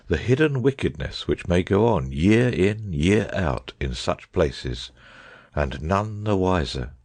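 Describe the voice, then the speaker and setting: A man reading the lines of a grave, lecturing male detective in an audiobook, in a husky voice, measured and darkly earnest. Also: deep voice, darkish tone, dry recording, voice pushed down, exaggerated voice. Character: grave, brooding male detective, middle-aged.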